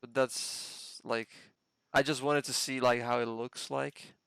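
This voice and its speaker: A young man speaking English as a second language, chatting casually on a developer livestream through a headset, halting and searching for words. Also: medium pitch, flat delivery, vocal fry, a bit bright, clean tone, no room sound. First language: a Slavic language close to Czech. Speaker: game developer.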